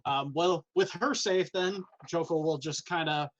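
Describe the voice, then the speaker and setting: A man playing a tabletop game, explaining his moves in a halting, casual way. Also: fairly high pitch, fairly bright tone, low-quality recording. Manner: halting, many restarts while explaining moves. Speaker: player.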